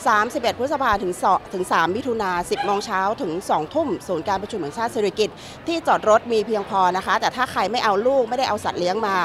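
A middle-aged woman, the event organizer, gives quick, matter-of-fact interview answers into several handheld press mics in an indoor hall, frequently restarting. Music plays as she speaks in a medium-pitched voice with lively intonation.

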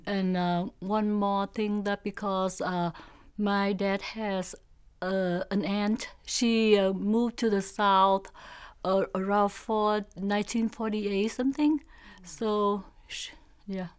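A woman in her sixties from South Vietnam with a Vietnamese accent, recalling family history in an interview, halting as she searches for words. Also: mid-range voice, steady tone, clear, resonant tone. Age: 60s. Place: indoor studio with backdrop.

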